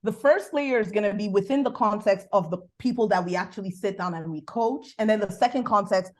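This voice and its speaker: Nigerian woman coaching with preacherly energy. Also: medium pitch. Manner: animated, preacherly, bursts of quick speech. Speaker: business coach, podcast guest. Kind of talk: faith-based coaching conversation.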